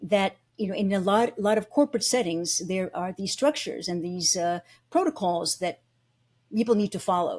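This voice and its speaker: A woman talks in a plain, everyday voice at a medium pitch, with ordinary pitch variation and a moderate pace. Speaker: public speaking coach. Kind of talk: interview answer.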